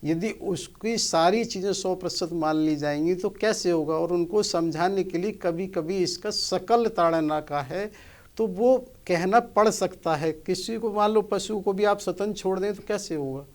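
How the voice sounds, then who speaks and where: A man's voice: high voice, a little slow. A man, a motivational speaker, earnestly explains scripture in a conversational way and asks rhetorical questions.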